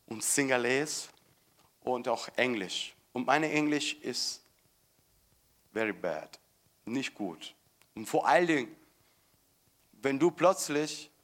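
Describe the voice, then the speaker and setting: A man preaching a sermon with fervent emphasis, moving between loud bursts and quiet storytelling, often restarting and repeating words. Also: mid-range voice.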